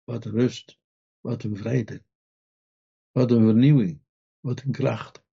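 A man's voice: medium pitch, fairly even intonation, takes it slowly, gravelly, slightly rough, lo-fi sound. A man preaching a sermon earnestly, putting direct questions to his listeners.

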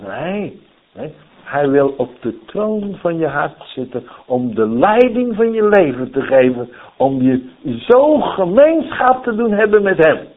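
A man's voice: high-pitched, measured pace. A man preaching a sermon in a folksy storytelling way, often checking in with "hè?", who grew up in the Netherlands. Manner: folksy, lively storytelling with many "hè?" asides. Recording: tinny phone-like sound.

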